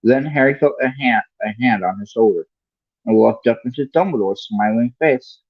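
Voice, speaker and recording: A man's voice: medium pitch, normal speed, slightly rough, no room sound, lo-fi sound. A man reading a story aloud as a livestream host, now and then stumbling over a word and correcting himself. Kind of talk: read-along audiobook narration.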